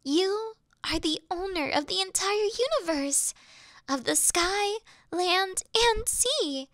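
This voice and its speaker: A woman's voice: very high-pitched, expressive, slow pace, fairly bright tone, no echo, studio quality, full character voice. A woman voicing a devoted female demon servant who worships her mistress, fawning and flustered in a scripted audio roleplay. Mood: adoring.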